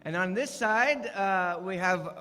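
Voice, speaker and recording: An older man preaching as a visiting elder, his voice high and bright. He talks in short, measured phrases and leaves room for translation, and a long church-hall reverb follows each line. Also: expressive. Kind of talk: guest sermon with live interpreter. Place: church sanctuary.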